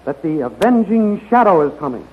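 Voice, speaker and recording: An actor playing a panicked soldier in a 1930s radio serial, urgent and melodramatic. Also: male voice, high-pitched, big pitch swings, normal speed. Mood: terrified. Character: panicked male soldier reporting to his queen. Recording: dull, noisy 1930s radio recording.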